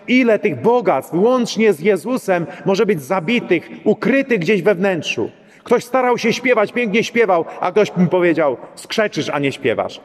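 Middle-aged male priest, high-pitched, preaches chattily to his flock with lots of rhetorical asides, reverberant church sound. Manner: talks directly to the congregation with frequent rhetorical "right?" asides. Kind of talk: conversational sermon.

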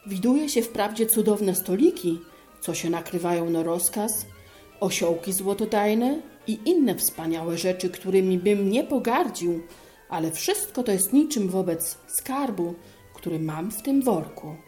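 A woman's voice: medium pitch, expressive, measured pace, mellow, soft background music, lightly acted. Woman doing a boastful young craftsman. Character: young male turner, confident and bold.

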